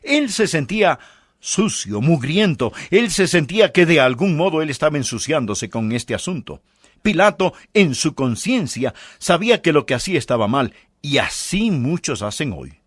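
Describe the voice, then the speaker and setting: A man's voice: on the high side, very animated, normal speed, breathy edge, dry recording, studio quality. A man preaching a sermon, pressing the listeners with emphatic rhetorical questions.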